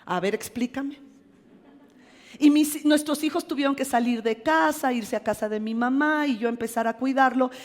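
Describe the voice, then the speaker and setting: A middle-aged woman pastor with a Mexican accent preaches with lively, self-mocking storytelling. Her voice sits high, and a long church-hall reverb trails each phrase. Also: a little fast, hardly any pauses. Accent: Mexican Spanish. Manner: animated storytelling with self-deprecating humor. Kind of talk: sermon with personal testimony.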